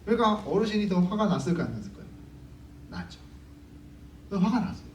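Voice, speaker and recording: A man's voice: sits high, very animated, a little fast, darkish tone, a little hiss or hum. A man preaching a Sunday sermon in a conversational way, asking the congregation questions and acting out stories. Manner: conversational preaching, acts out quotes. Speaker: pastor. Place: church sanctuary. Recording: echoey church hall from far off.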